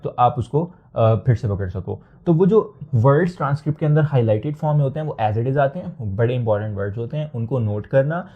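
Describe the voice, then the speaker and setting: A man's voice: medium pitch, expressive, brisk, hardly any pauses, husky. A young man giving IELTS listening tips as an instructor in a casual lecture, explaining at length and slipping English phrases into his talk. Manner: explanatory, mixes English phrases, frequent fillers. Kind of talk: casual Hindustani lecture with English code-switching. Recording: slightly dull lo-fi audio.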